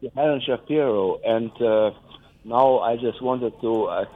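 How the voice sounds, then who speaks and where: Native German-speaking man, hesitant chatty guest, phone-line audio. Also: medium pitch. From Germany, near the Dutch and Belgian border. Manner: halting, many fillers and restarts, laughs often. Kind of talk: casual chat.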